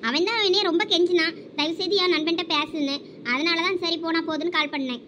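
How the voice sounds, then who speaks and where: A woman's voice: extremely high pitch, steady tone, fast talker, fairly bright tone, a little hiss or hum. A woman voicing a sulky young cartoon girlfriend. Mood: huffy. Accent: Thoothukudi Tamil. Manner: huffy, sulking.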